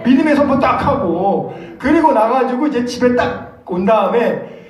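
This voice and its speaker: High-voiced pastor preaching in an echoey church. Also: male voice, moderate pace, recorded from a distance. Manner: animated, emphatic, acts out quotes. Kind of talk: sermon. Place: church hall. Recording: echoey church hall, voice from afar.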